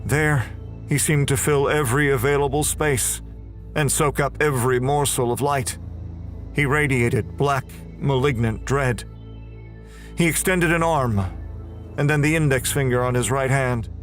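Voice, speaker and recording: A man's voice: medium pitch, steady tone, measured pace, faint music behind. A man performing scripted, dramatic first-person narration for a horror audio drama.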